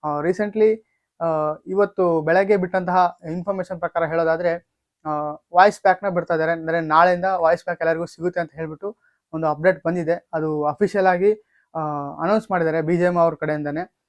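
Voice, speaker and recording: Guy doing a casual youtube update, kinda high voice, halting w long uhs, dry close sound. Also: steady tone, no room sound. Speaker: YouTube channel host. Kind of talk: casual film and gaming news update to camera or mic.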